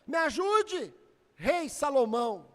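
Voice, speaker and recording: A man voicing a desperate young mother pleading before a king, crying out louder and louder, in an echoey hall. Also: very high-pitched, sing-song, slow pace, exaggerated voice. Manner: pleading, sobbing tone, rising to loud cries.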